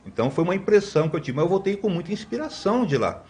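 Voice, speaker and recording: A man's voice: high voice, very animated, very fast, darkish tone. A man in his fifties from Brazil, a podcast guest telling long stories in a rambling way, with many tag questions and restarts. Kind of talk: conversational storytelling.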